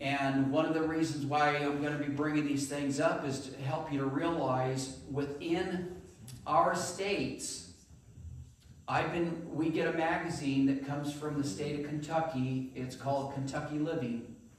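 Audible room echo follows a man who speaks at a fairly slow pace, with fairly high pitch and fairly even intonation. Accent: Southern US. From California, later US South. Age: 60s. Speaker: homesteading teacher. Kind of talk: lecture. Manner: informal, conversational. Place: church.

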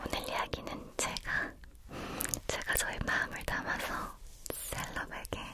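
A woman's soft-spoken whispering at a very slow pace, over loud background noise. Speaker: ASMR storyteller. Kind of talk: casual storytelling chat. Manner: soft close-mic ASMR whisper. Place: home room. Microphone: studio mic.

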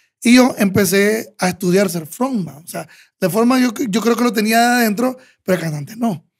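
At a moderate pace, a man talks in a high voice with ordinary pitch variation and big swings in loudness against a quiet background. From Nicaragua. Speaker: rock band singer; podcast guest. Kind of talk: casual chat. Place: studio. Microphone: studio mic.

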